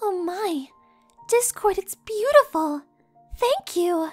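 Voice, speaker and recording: Faint music sits in the background of a put-on character voice delivered at a very slow pace. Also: female-sounding voice, extremely high pitch for a woman. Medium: audio drama. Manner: soft-spoken.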